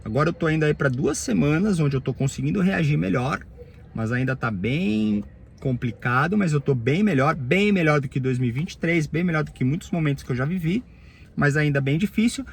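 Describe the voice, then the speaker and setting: A man with a Brazilian Portuguese accent, a therapist, speaking a reflective personal monologue in halting, phrase-by-phrase bursts with frequent tag questions. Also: on the high side, expressive, gravelly, a little hiss or hum.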